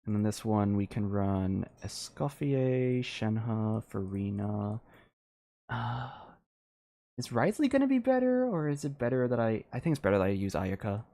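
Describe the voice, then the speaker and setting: Mid-pitched voice, casual game streamer, hesitant, thinking out loud, unfinished sentences. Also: big pitch swings, moderate pace. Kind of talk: casual live gameplay commentary.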